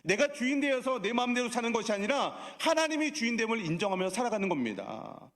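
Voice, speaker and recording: A man's voice: extremely high pitch, very animated, quick pace, fairly bright tone. A man preaching as a pastor at a church service, asking the congregation questions and slipping in playful asides. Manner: playful asides that draw laughs. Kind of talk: sermon. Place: church sanctuary.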